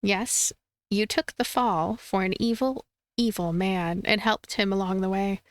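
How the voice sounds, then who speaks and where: A woman reading a visual novel aloud as a let's play streamer, expressive and playful, with commentary. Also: medium pitch, unhurried, dry recording. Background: game music.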